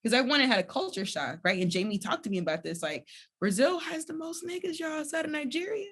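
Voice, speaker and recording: A young adult woman speaking as a guest and organizer in a casual podcast conversation, animated and emphatic, often calling out to listeners. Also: sits high, fast talker.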